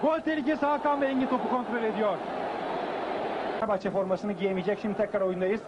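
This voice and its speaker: A man calling a football match live on television in an excited, raised voice, with urgent short phrases. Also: high voice, fast, dull audio. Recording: noisy old match broadcast with outdoor ambience.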